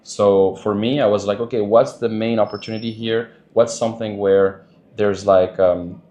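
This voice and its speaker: A man talking casually as a podcast guest, loose and chatty, laughing often and filling pauses with "like" and "you know". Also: fairly low pitch, fairly even intonation, dark tone, echoey room. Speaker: podcast guest, dating coach. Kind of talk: casual interview talk.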